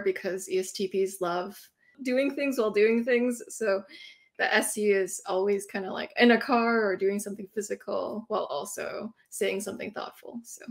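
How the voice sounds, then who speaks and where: A woman hosting a group video call, upbeat and brisk as she introduces each guest. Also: medium pitch. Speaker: host.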